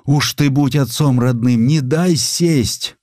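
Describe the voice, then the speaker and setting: A man's voice: mid-range voice, takes it slowly, a little mellow, no room sound, clean studio sound, pitched above the performer's own voice, natural voice. A man playing a naive provincial merchant in trouble, begging humbly in folksy speech for an audio drama. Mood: anxious pleading.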